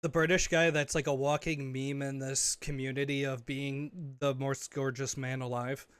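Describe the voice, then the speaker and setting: A man's voice: mid-range voice, level tone, moderate pace, a bit bright, clear, resonant tone, dry recording. A man co-hosting a podcast, chatting casually, teasing his partner and laughing often at himself. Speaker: podcast co-host.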